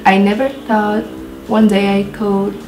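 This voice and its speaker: A woman's voice: mid-range voice, level tone, a little slow, reverberant, over music, low-quality recording. A young woman from Brazil with a Brazilian Portuguese accent, chatting through a makeup tutorial in her apartment and describing each step while laughing often. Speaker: beauty vlogger. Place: apartment in a big city.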